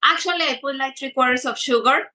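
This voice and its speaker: A woman's voice: high-pitched, quick pace, pushed and bright, poor audio. A middle-aged woman guest speaking in a casual interview, hesitant with many fillers and restarts. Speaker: guest baker.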